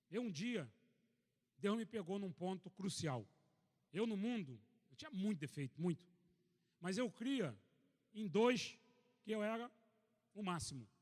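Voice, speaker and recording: A man from Brazil preaching a sermon to a church gathering, reading scripture aloud and telling a funny personal story in an animated, joking way. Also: high-pitched, long reverb tail. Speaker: pastor. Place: church meeting hall.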